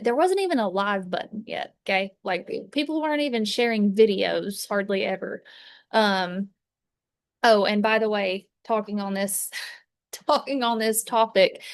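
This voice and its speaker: A woman talks casually and at length. She rambles with fillers and restarts. Her voice sits at a middle pitch, and the recording is dry and close, with no room echo. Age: 30s. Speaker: fragrance consultant. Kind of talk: casual chat. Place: inside an RV.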